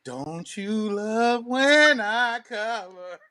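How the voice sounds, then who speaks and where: A man's voice: high voice, animated, drawn-out words, bright, forceful tone. A man co-hosting a talk show in casual, opinionated discussion, with a slangy and profane way of talking.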